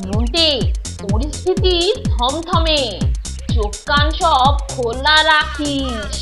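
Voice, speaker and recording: Slow-talking, high-pitched cartoon boy. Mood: conspiratorial. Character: watchful, plotting young schoolboy. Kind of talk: Bengali children's cartoon voice acting. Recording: loud music behind the voice.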